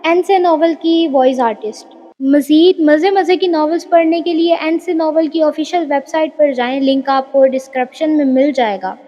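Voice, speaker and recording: A woman's voice: high-pitched, dark tone. A woman voice artist greeting listeners politely in a scripted channel introduction. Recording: long hall reverb.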